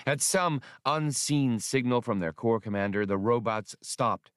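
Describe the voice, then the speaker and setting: A man reading a science fiction adventure aloud as an audiobook narrator, in a measured, expressive storytelling delivery. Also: mid-range voice, clean tone, dry recording, studio quality.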